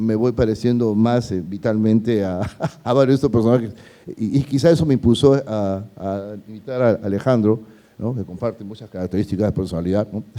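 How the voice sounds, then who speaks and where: At a fairly quick pace, a man with a fairly low pitch and a dark, mellow tone speaks with ordinary pitch variation. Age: 60s. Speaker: novelist. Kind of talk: panel discussion. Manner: halting, many fillers.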